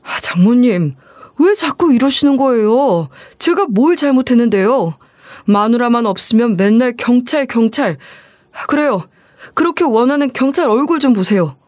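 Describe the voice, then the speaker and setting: A woman's voice: on the high side, animated, normal speed, no echo, clean studio sound, close to an everyday voice. A woman voicing an angry husband who answers back defensively and indignantly.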